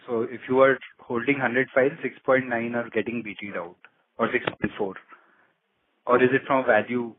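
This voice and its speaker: A man's voice: medium pitch, fairly even intonation, normal speed. A man asking analytical questions as an analyst on a conference call. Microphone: phone call. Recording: thin phone line, faint noise, clicks.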